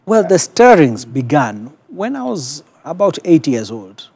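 A middle-aged man with a Kenyan accent, a pastor talking reflectively and in a measured way as an interview guest. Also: on the high side, very animated, gravelly, darkish tone, husky, no echo. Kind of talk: conversational television interview, personal storytelling. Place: television studio. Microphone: lapel mic.

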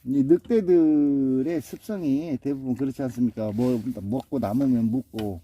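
A man's voice: medium pitch, moderate pace, mellow, dry recording. A middle-aged man filming his dogs outdoors in the snow, coaxing and scolding them in a raised sing-song voice and narrating in a casual vlog style. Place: outdoors in a snowy yard.

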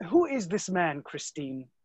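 Casting: male actor as protective young nobleman in love, husky, dry close sound, swinging intonation. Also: high voice, sing-song, measured pace, a little mellow, no echo, full character voice. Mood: jealous. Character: earnest, jealous young viscount suitor, skeptical and protective. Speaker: actor in a virtual staged reading. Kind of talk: dramatic stage play reading. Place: indoor room, video call. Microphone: video call microphone.

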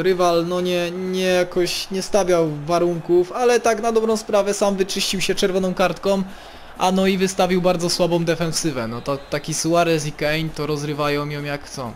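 A man giving play-by-play commentary on his own video game, turning excitable and shouting player names at big moments. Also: sits high, normal speed, a little hiss or hum. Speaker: gaming channel host.

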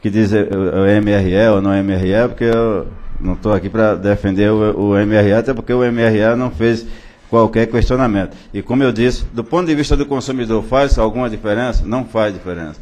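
A man's voice: fairly low pitch, brisk, a little mellow. A man with a Brazilian Portuguese accent, a regulatory board director arguing his case informally and insistently in a public meeting. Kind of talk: deliberative meeting discussion.

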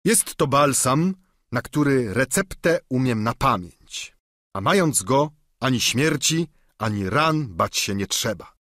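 A man's voice: medium pitch, animated, takes it slowly, fairly bright tone, dry recording, studio quality, voice pushed up. Don Quixote, a man voicing a pompous aging knight. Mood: boastful. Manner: pompous, declamatory. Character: aging deluded knight, grandiose and solemn. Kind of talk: audiobook character reading.

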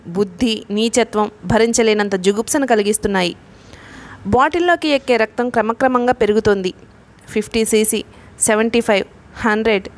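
A woman narrating a novel as an audiobook reader, reading the characters' lines in her own voice. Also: a little high.

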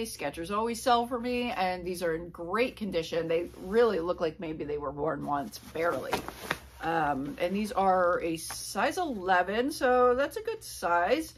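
A woman's voice: mid-range voice, a little hiss or hum. A woman in her forties chatting casually to camera about her flea market finds, rambling with lots of fillers and asides, in a small indoor room. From Pennsylvania, USA. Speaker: reseller vlogger. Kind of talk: casual haul chat to camera. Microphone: camera on a tripod at a few feet.

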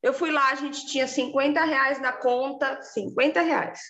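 A woman, giving a lively casual testimonial and acting out her own past words. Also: sits high, a little slow, lo-fi sound.

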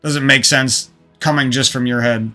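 Speaking at a normal speed and a medium pitch, this gaming streamer vents to his stream audience from a room at home via a desk mic. His delivery is fairly even, pushed and bright, full of restarts and swearing as he wanders through stories of old relationships over faint background music.

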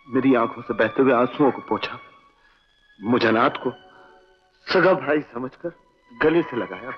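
An actor playing a loyal, wisecracking family friend in a 1960s Hindi film, joking at times and earnestly pleading at others. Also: male voice, mid-range voice, lightly acted. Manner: joking one moment, pleading the next. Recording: dull old film soundtrack with music.

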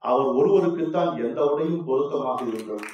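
A man delivers a formal stage speech in an emphatic, oratorical manner, his fairly high voice swelling into loud, declaiming passages. He sounds some distance from the microphone, with the roomy echo of an event hall around him. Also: brisk, highs cut off, some chatter behind, a little hiss or hum. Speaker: speaker at an inauguration event. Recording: echoey hall, voice far from mic.

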